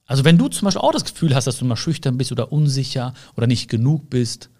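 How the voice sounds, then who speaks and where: Talking fast with lively intonation, this young personal development speaker has a medium-pitched, darkish voice. His motivational talk is earnest and casual, speaking straight to the listener with rhetorical questions, lots of fillers, and frequent restarts as he searches for words.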